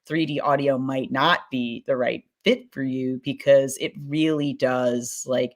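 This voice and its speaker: A woman's voice: rumbling low, steady tone, a little slow. A woman talking casually as a podcast producer in a discussion, effusive and emphatic, giggly and rambling as she goes.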